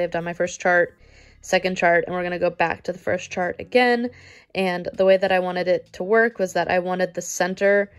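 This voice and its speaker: A young woman with a hoarse, croupy voice from illness, chatting casually and a bit self-deprecatingly while she demonstrates a knitting project step by step. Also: on the low side. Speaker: knitting tutorial host. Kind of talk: casual step-by-step craft demo.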